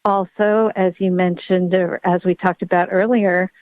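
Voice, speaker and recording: A woman's voice: on the low side, level tone, measured pace, no echo. Woman on a tinny dry phone line. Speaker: pediatric neurologist guest. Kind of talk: podcast interview.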